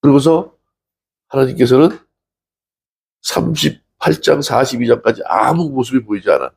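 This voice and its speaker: Male pastor, husky gravelly voice, chatty sermon style with acted-out dialogue. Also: mid-range voice, animated, moderate pace, a little mellow. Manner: conversational preaching, rhetorical questions to the congregation; acts out dialogue from scripture stories.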